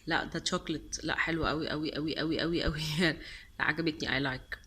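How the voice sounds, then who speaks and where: A woman's voice: low-pitched, steady tone, racing, a bit bright, slight background noise. A woman with an Egyptian Arabic accent chatting casually on her vlog as she tastes sweets, gushing and repeating words for emphasis and sprinkling in English and French words. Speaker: vlogger. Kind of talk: casual taste-test chat.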